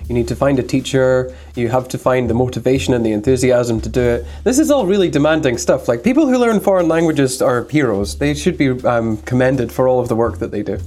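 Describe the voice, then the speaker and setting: A man's voice: medium pitch, brisk, few pauses, a little mellow. A man with a British accent co-hosting a podcast, explaining English phrases in a patient, easygoing and self-deprecating way. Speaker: podcast co-host, English speaking coach. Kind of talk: relaxed explanatory podcast chat.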